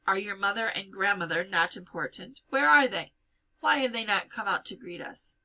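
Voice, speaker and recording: A stern aunt in a storybook, voiced by a woman reader, scolding and practical. Her voice is bright and forceful, pushed up above the middle. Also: medium pitch, normal speed. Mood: brisk, insistent.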